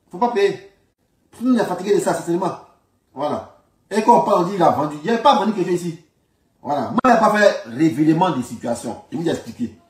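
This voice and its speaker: A man with an Ivorian accent giving an informal political monologue, insistent, repeating phrases for emphasis and asking rhetorical questions. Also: high-pitched. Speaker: political commentator. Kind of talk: informal spoken political monologue in reply to a speech. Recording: roomy echo, distant microphone.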